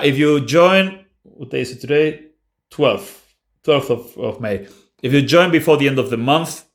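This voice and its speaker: A man hosting a casual language-learning Q&A, answering viewer questions bluntly and offhandedly with frequent restarts. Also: mid-range voice. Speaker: language-learning channel host.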